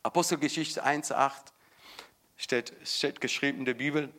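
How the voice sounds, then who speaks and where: A man preaching a sermon with fervent emphasis, moving between loud bursts and quiet storytelling, often restarting and repeating words. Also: medium pitch, moderate pace.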